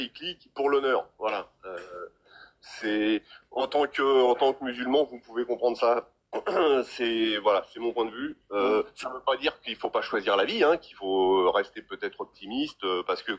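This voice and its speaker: A man in his fifties talks in a loose, rambling way. He trips over his words and repeats them while getting a point across. His voice sits at an ordinary middle pitch. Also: moderate pace. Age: 50s. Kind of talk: casual talk on a live stream.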